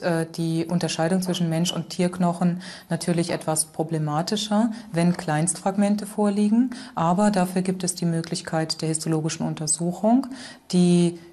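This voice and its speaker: Female expert interviewee, explanatory, mellow and fairly low. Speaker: forensic anthropologist, expert interviewee. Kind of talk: explaining to a lay audience.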